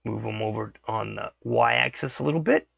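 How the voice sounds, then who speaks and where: A man with a hoarse voice from a lingering cold walks through a tutorial at his computer. His voice is gravelly and bright. The recording is dry and dull, like a cheap desk mic. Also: medium pitch, brisk, no echo. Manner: thinks aloud, frequent "okay" checks. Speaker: 3D modeling tutorial host. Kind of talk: casual screen-recorded tutorial.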